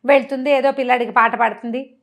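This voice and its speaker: A woman storyteller retelling a story in a conversational, expressive way, mixing in some English words. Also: high voice, fast, dull audio. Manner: expressive, acts out characters' dialogue.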